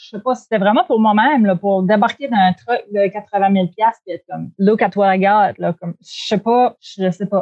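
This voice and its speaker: A woman's unremarkable speaking voice at a moderate pace, medium in pitch, with fairly even intonation. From Acadian New Brunswick, Shippagan. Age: 30s. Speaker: multidisciplinary artist and comedian. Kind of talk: casual interview.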